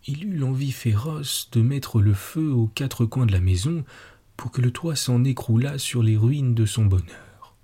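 A man reading a literary story aloud as narrator, measured and solemn. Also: fairly low pitch, warm tone, breathy edge.

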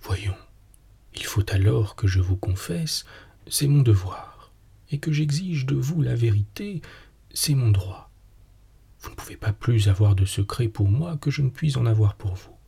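A man voicing an affectionate, teasing young wife in a whispered role-play, breathy and soft. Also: medium pitch, animated, unhurried, heavily acted. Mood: coaxing. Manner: coaxing, gently teasing.

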